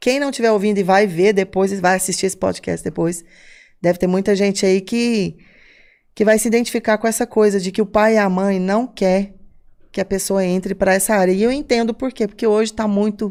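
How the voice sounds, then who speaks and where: In a very clean recording with a silent background, a woman uses a normal speaking voice at a fairly quick pace, her pitch medium and her intonation fairly even. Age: 40s. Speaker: military police sergeant. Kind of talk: podcast interview. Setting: podcast studio, streamed live.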